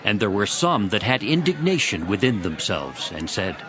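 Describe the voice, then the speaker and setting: Expressive low-voiced male scripture narrator. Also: moderate pace, a crowd in the background. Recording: music behind the voice. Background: background music.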